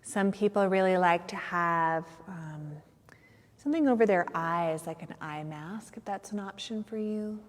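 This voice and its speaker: A woman guiding a meditation as a yoga nidra teacher, soothing and unhurried, with long pauses between phrases. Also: lowish voice. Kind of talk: guided meditation. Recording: long reverberant hall-like echo.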